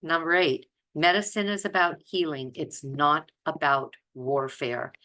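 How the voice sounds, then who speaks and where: A health vlogger who advocates plant-based eating gives informal, earnest, emphatic commentary on a list of quotes. Her voice is deep and a bit bright, with fairly even intonation and a slightly slow pace.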